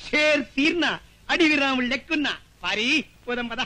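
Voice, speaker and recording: A man's voice: very high voice, brisk, sharp tone, rough recording. An actor playing an older father who fakes illness, speaking in a dialect with a slangy rustic drawl, on an old film soundtrack with music behind. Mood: sly.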